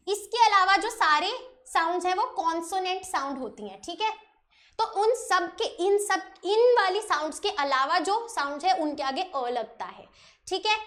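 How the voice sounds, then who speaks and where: A woman from India teaching an online grammar lesson, often checking that students follow and praising them, and reading example sentences out slowly. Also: very high-pitched, a bit bright.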